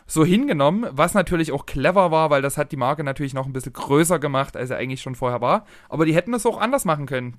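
A man co-hosting a podcast in casual chat, dropping wry, quick quips. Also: on the high side, no room sound, studio quality. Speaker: podcast co-host.

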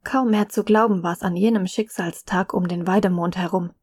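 Slightly husky medieval girl narrator. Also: fairly low pitch, fairly even intonation, darkish tone, no room sound. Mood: reflective, worried. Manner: measured, earnest storytelling. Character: medieval girl recounting her childhood ordeal. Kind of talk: scripted first-person audio drama narration.

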